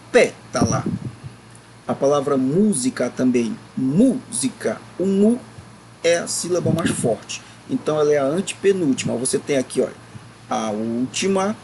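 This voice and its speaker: Male teacher, a bit higher-pitched, patient and drawn-out, faint hiss behind. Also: a little mellow, poor audio. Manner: patient, drawn-out explaining, stretching words to stress syllables. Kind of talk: recorded classroom lesson.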